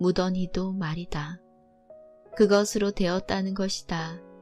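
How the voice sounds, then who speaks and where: Music plays in the background as a woman speaks very slowly in a calm tone at a medium pitch. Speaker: book reader. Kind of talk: essay reading. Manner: soft-spoken, calm.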